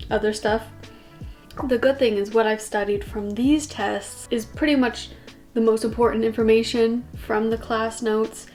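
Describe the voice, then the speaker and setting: A young woman from Canada chats to her vlog camera with a slightly high voice. She rambles easily, dropping fillers and small laughs. Soft music plays underneath. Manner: chatty, filler-heavy, laughs often. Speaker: vlogger. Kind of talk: casual vlog talk to camera.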